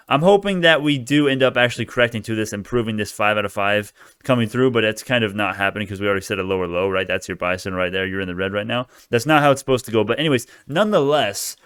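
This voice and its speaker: A man's voice: mid-range voice, a bit bright, smooth, dry recording, studio quality. A man giving casual stock market commentary as a video host, talking in a brash, informal, profane crypto-bro way.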